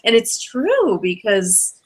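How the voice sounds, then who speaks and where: A woman's voice: on the high side, huge pitch swings, slow. A woman hosting an interview and coaching, affirming her guest in a friendly way with fillers. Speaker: host and business coach. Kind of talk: conversational interview.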